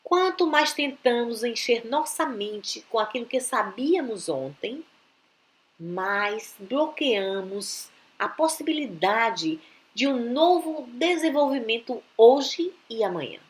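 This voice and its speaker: A woman giving a calm, deliberate reading of a spiritual text, with long pauses between phrases. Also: a little high. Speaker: reader of spiritual teachings.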